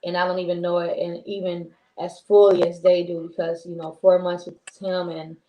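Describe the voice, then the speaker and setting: A woman co-hosting a casual live-stream talk show, rambling and heartfelt with many pauses. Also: lowish voice, flat delivery, warm tone. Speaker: co-host. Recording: echoey room with faint noise.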